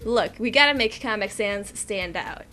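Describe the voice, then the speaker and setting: A woman's voice: medium pitch, lively intonation, moderate pace, sharp tone, soft background music. A woman co-hosting a game video, teasing and joking with her partner. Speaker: let's-play co-host. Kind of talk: casual game banter.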